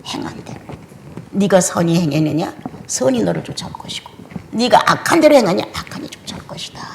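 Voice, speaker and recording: An older woman preaching a sermon, swinging between loud exclamations and hushed whispers. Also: medium pitch, gravelly, slight background noise. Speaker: pastor.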